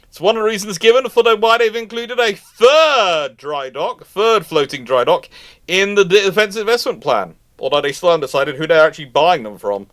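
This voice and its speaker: A British man from the United Kingdom hosts a live Q&A stream, his high, fairly bright voice expressive at a moderate pace. His expert commentary is informal, discursive and opinionated, and he returns to the same points repeatedly.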